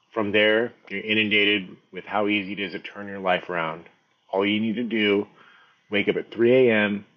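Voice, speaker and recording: A man in his thirties with a fairly low voice hosts a podcast as a scripted comic monologue. His delivery is dry, sardonic and freely profane. The recording sounds a little dull and muffled. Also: a bit bright. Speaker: podcast host.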